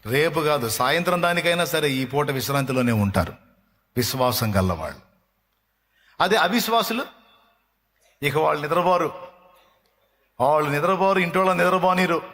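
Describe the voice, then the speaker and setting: Animated Telugu preacher, man. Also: a little high, normal speed, long pauses. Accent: Telugu, coastal Andhra. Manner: animated preaching, bursts into song, acts out dialogue with God. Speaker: pastor. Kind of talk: sermon. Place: church hall.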